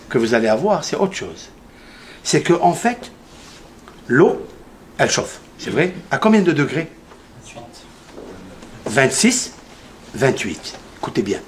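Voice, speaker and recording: Animated man teaching a synagogue class. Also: medium pitch, slight background noise. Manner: asks the audience questions and answers them himself; emphatic, repeats key numbers. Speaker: rabbi teaching a Torah class. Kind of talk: lively Torah lesson to a congregation.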